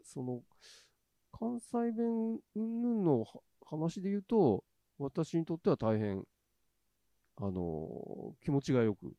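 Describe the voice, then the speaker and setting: A man's voice: fairly high pitch, very animated, takes it slowly, dark tone, no echo. A man hosting a podcast, speaking thoughtfully and hesitantly with many fillers. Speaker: podcast host. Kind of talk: casual chat.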